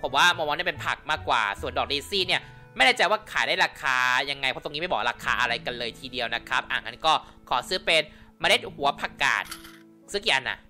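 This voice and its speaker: A man hosting a gaming channel, giving chatty let's-play commentary and thinking out loud. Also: a little high, expressive, quick pace, soft background music. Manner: chatty, giggly, thinking aloud.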